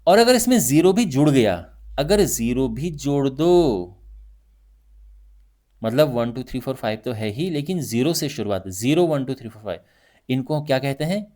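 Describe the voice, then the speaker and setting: A male math teacher with a Hindi accent explains a lesson in an animated way. His voice sits at a middle pitch, but he swings up high to stress a point and drops low when he lists things. He keeps checking in and repeats himself so his students follow. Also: normal speed. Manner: lively, repetitive teaching with frequent check-ins.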